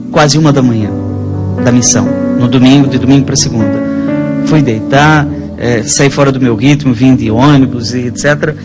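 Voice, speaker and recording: A man with a Brazilian accent, a priest, talking conversationally about faith and telling stories in a halting, rambling way. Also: medium pitch. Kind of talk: conversational religious storytelling. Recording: music playing behind the voice.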